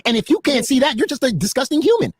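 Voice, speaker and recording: A man's voice: very high voice, huge pitch swings, fast talker, breathy edge, no echo, clean studio sound. A man in a heated live stream debate, angrily lecturing and swearing.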